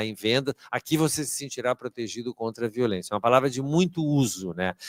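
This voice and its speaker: A man's plain, everyday voice at medium pitch and moderate pace, with lively intonation and a dry, close sound with no echo, on a very clean recording against a silent background. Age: 60s. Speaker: professor. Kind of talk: lecture. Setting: auditorium.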